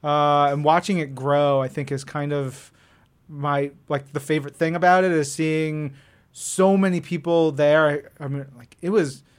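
A man's voice: fairly high pitch, fairly even intonation, normal speed, clean tone. A man chatting casually as a co-host of a podcast.

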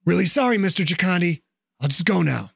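A cocky male fighter trades quips with mock politeness, put on by a man reading an audiobook. The voice sits a touch higher than the reader's own, with a gravelly grain. It sounds close and dry. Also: animated, brisk, fairly bright tone, no echo, full character voice. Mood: placating.

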